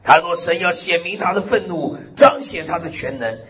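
A man preaching a sermon in an animated way, drawing out key phrases and punctuating them with amens and hallelujahs. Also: moderate pace. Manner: swings pitch widely, drawls key phrases. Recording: slightly dull recording with faint hiss.

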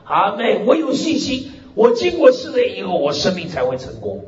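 A man pastor delivers an emphatic sermon, his voice lively and swinging widely in pitch. He punctuates his points with hallelujahs and amens. The recording is lo-fi and roomy, like an echoey church hall. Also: moderate pace, crowd noise. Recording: echoey hall, dull lo-fi sound.

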